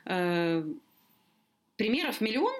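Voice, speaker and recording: A woman language teacher chatting as a podcast guest, explaining in a lively way with sudden lifts in her voice. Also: medium pitch, slow pace. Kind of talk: casual conversation, explaining.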